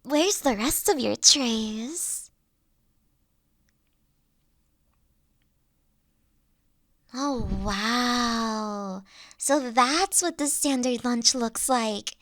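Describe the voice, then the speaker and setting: A woman playing a high-pitched, awkward, nerdy young dragon girl. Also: very slow, fairly bright tone, no room sound, studio quality, heavily acted. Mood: shy excitement. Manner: bubbly, awkward, hesitant, giggly. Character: huge, nerdy, friendly young female dragon college student. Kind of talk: roleplay audio drama addressed to the listener.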